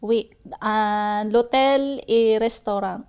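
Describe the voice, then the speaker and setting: A woman in her forties from the Philippines with a Filipino accent, whose first language is Bisaya, answering interview questions haltingly and searching for her words. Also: a little high, steady tone, darkish tone, clear, resonant tone. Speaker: interview guest. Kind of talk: casual interview.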